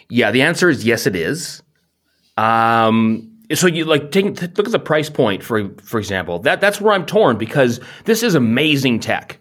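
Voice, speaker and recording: At a moderate pace, a man speaks in a fairly high pitch with very wide pitch swings. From Canada. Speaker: photographer. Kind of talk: casual chat. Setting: remote call.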